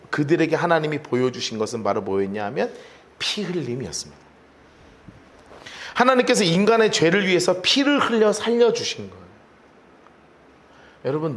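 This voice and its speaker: A man's voice: on the high side, slight background noise. A male pastor preaching a sermon, telling stories and acting out voices as he goes. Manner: lively storytelling, acts out quoted voices.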